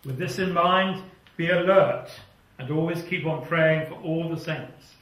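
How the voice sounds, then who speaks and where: A man's voice: on the high side, unhurried. An older man with a British accent preaching a fervent sermon and reading scripture in a small church hall. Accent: British English. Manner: earnest, fervent, drops voice to a hush at phrase ends. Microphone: lapel mic. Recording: echoey hall, somewhat far from mic.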